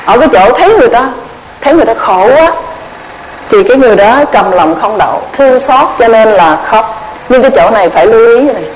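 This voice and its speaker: A woman giving a Buddhist dharma lecture, measured and explanatory, often repeating words as she searches for the next one. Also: a little high, animated, slight background noise, low-quality recording. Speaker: Buddhist Abhidhamma teacher.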